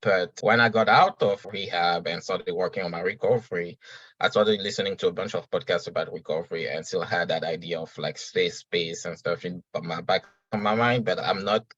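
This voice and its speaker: Deep-voiced man. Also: normal speed, a bit bright, no room sound, muffled recording. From Senegal. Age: 30s. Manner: reflective, earnest, talks at an uneven pace. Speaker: podcast guest. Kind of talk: casual conversational interview.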